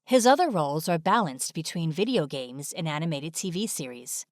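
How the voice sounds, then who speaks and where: A woman's voice: low voice, lively intonation, moderate pace, no echo, studio quality. A woman delivering scripted video essay narration in a polished, presentational manner.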